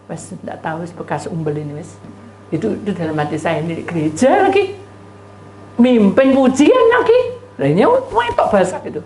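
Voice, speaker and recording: Animated woman pastor preaching. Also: fairly low pitch, fairly quick, reverberant, a little hiss or hum. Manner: chatty, animated, acts out both sides of a dialogue. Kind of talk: storytelling sermon. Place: church.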